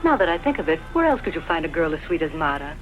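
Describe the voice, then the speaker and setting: A woman's voice: low voice, very animated, quick pace, muffled recording, faint music behind. A woman dubbing a shrewd, proud gypsy queen and mother in a costume film, with a wry, probing manner. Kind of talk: dubbed costume-film acting.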